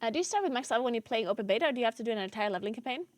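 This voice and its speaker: Woman, game streamer, fairly high voice, relaxed chatty delivery, lots of fillers. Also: very fast, no room sound. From South Tyrol, Italy. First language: German. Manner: chatty, answers chat, frequent "like" fillers. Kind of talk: casual chat while gaming.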